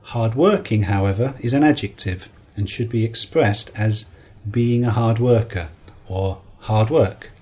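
A male podcast host and English teacher with a husky, slightly breathy voice. He reads out calm, explanatory feedback in a scripted teaching style. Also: lowish voice, a little slow.

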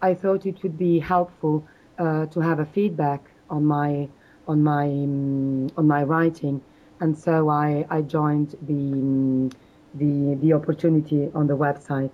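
Low-voiced hesitant woman from South Africa. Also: little pitch movement, measured pace, phone-quality sound. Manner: hesitant, many fillers and restarts. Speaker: interview guest, exam candidate. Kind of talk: hesitant conversational answers.

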